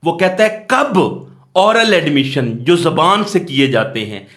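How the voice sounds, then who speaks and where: Male law lecturer, South Asian accent. Unhurried, drawn-out pace, slightly high pitch, teaches by reading and restating, posing questions and answering them. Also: very animated, fairly bright tone. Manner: explanatory, repetitive, asks and answers own questions. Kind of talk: exam lecture, reading statute in English and explaining it.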